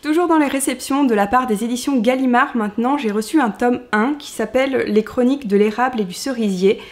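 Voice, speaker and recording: Lady rambling about her book haul, lots of euh, voice a bit on the high side. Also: brisk. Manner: chatty, many fillers and restarts. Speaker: book vlogger. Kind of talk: casual book haul chat.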